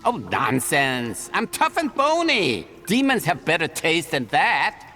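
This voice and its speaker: A man's voice: on the high side, huge pitch swings, takes it slowly, bright, forceful tone, faint music behind, exaggerated voice. An actor playing an eccentric, cheerful old male jeweler in a video game, stammering and chuckling as he talks. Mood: fussy, chuckling. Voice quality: giggly, stammering, fussy.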